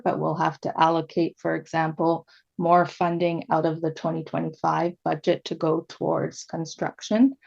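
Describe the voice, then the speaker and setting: A woman on city staff answering questions at a committee meeting in a formal, measured way, addressing the chair. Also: low voice, vocal fry, a little mellow, lo-fi sound. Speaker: city traffic staff member.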